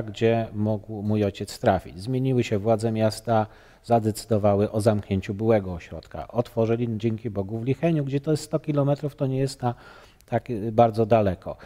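A man in his fifties from Poland, a guest in a studio interview, talking haltingly with many fillers and restarts. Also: medium pitch, mellow, long reverb tail. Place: bright TV studio, seated on sofa.

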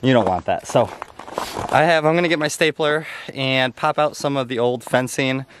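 Speaking at a moderate pace in a medium-pitched, slightly bright voice, this young homestead vlogger sounds clean, with no echo. He chats casually to a handheld camera held at arm's length, explaining each step, partly in a snowy yard and partly in a house.

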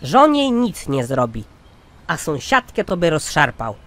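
A man voicing a droll, crotchety old grandpa in a cartoon comedy skit, drawing out deadpan punchlines. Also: on the high side, unhurried, exaggerated voice.

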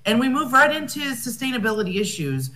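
A woman's voice: fairly high pitch, sing-song, fairly quick, bright, forceful tone. An American woman speaking at an academic conference over a video call, thoughtful and often rephrasing herself. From United States.

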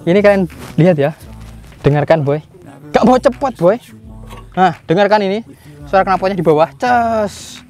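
Excited man by a tractor engine. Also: high voice, moderate pace, long pauses, faint music behind. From Indonesia. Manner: excited, slangy, calls viewers "boy". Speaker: vlogger. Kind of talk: casual vlog commentary. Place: outdoors in a rice field beside a running tractor.

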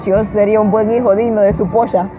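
A young man, loud and exasperated, swearing through street pranks. His high voice comes through tinny lo-fi audio, with music and a crowd behind him. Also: little pitch movement, quick pace. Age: young adult. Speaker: prank youtuber. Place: outdoor town plaza.

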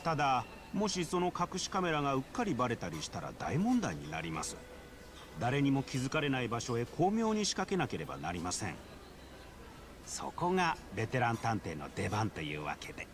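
A theatrical, nerdy detective with hugely animated intonation. He is pedantic, polite and grandiose, a video game drama voice with faint ambience behind it. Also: mid-range voice, normal speed, noisy background. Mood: cautioning, formal. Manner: archaic, grandiose, precise polite wording.

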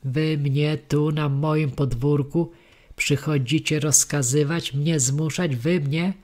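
A man voicing a furious, grieving old male chieftain in an audiobook, booming and commanding. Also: fairly even intonation, a little slow. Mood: indignant.

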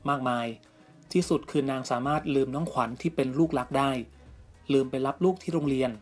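A man narrating an entertainment news story in a steady, scripted reading voice. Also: medium pitch, a little fast. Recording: music bed faint underneath.

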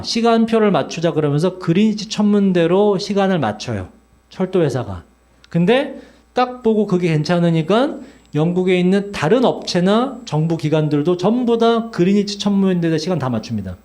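A male teacher in his forties lectures a class in a chatty, teasing way, turning often to the students. His voice sits a little high and swings widely in pitch as he explains and jokes. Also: a little mellow. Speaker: English teacher.

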